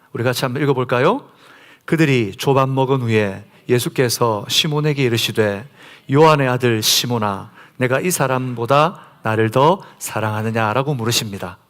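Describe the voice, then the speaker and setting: A male pastor delivers a Sunday sermon at a steady middle pitch. He moves from hushed, almost whispered pleading into sudden loud, high bursts of emphasis. He reads scripture slowly with the congregation. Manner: dramatic, drops to a soft whisper for intimate lines and rises loud for emphasis. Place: church sanctuary.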